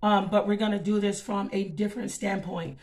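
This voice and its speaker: A woman with a scratchy voice giving a casual tarot reading, chatty and filling pauses with um and okay. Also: mid-range voice, steady tone, darkish tone. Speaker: tarot reader.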